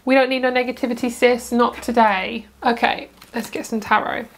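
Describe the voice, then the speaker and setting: A chatty woman with a slightly high voice reads tarot cards at home. She rambles cheerfully, stops herself mid-thought and wanders into side comments before getting back on track. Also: steady tone, normal speed. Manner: chatty, rambling, self-interrupting with asides. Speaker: tarot reader. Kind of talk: casual pick-a-card tarot reading.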